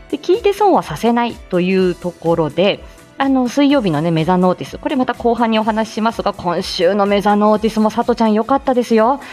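A woman in her forties hosting a casual live stream, chatty and humble, laughing often and filling pauses as she greets listeners. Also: a little high, lively intonation, a little mellow, faint music behind.

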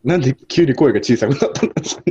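A man co-hosting a casual podcast chat, joking and animated, sometimes acting out rude voices. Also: mid-range voice, rapid-fire, lo-fi sound, a little hiss or hum. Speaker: podcast co-host.

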